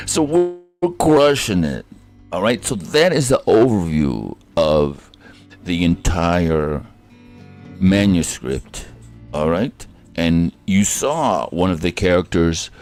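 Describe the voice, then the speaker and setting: A man hosting a casual livestream, jokey and quick to laugh at his own lines. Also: sits low, a little mellow. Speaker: livestream host.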